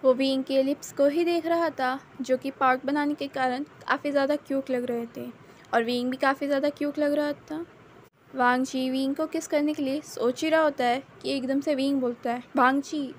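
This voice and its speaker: Female story narrator, high pitch, steady plain telling, faint noise behind. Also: normal speed. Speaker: fan fiction narrator. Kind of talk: narrating her own fan fiction.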